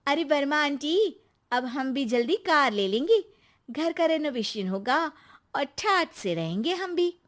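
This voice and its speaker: A woman voicing a chatty, excitable young daughter-in-law in a storybook cartoon. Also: high voice, a little slow. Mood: boastful. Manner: excitable, boastful.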